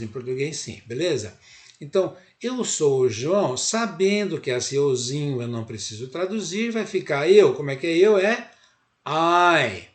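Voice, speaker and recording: A man's voice: fairly high pitch, darkish tone, reverberant. A man from Brazil teaching an online English lesson, explaining patiently step by step and often checking in with his students.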